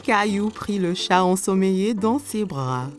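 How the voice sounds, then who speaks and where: A woman's voice: medium pitch, expressive, a little slow. A woman narrating a scripted children's cartoon story. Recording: music under the voice.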